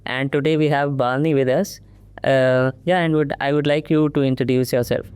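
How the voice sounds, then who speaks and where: A man's voice: medium pitch, fairly even intonation, normal speed, a little mellow, clear, resonant tone, no room sound. A man hosting a podcast, asking his guest short prompting questions. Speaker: podcast host. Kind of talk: interview questions.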